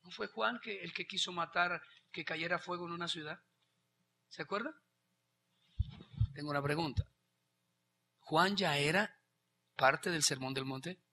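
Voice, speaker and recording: A man pastor, preaching a sermon with animated bursts of shouting and quiet asides. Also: on the high side, a little slow, pauses often, a little hiss or hum.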